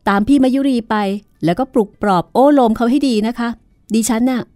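A woman's voice: a little high, fairly quick, mellow, no room sound, clean studio sound, voice pushed up, close to an everyday voice. A woman voicing a poor young woman who pleads and then answers curtly and defiantly. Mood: hurt, defiant. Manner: tearful pleading turning curt.

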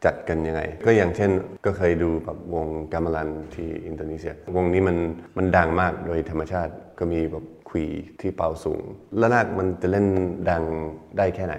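A man's voice: low voice, fairly even intonation, fairly quick, hardly any pauses. A male co-host in a casual interview, asking curious, musing questions. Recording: long reverb.

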